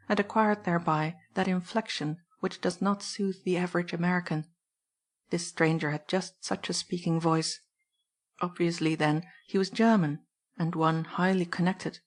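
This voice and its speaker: Woman reading an audiobook, lowish voice. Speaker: audiobook reader. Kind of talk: audiobook narration.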